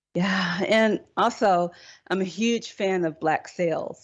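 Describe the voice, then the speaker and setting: A woman's vocal fry with a Southern US accent. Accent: Southern American. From Deep South, USA. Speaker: novelist. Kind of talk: interview answer.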